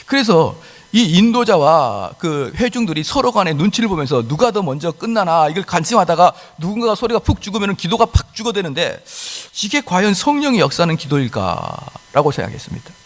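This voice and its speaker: A man's voice: sits high, sing-song, brisk, few pauses, in a large hall. A male pastor preaching a sermon emphatically, with rhetorical questions and acted-out quotes. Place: church sanctuary.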